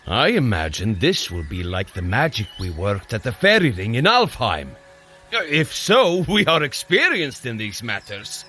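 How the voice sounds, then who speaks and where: An actor playing a boisterous, eager Norse god in an audio drama, exclaiming in a theatrical, grandly formal way. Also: male voice, medium pitch, huge pitch swings, unhurried, bright, forceful tone, faint music behind, exaggerated voice. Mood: awed, curious. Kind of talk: scripted audio drama acting.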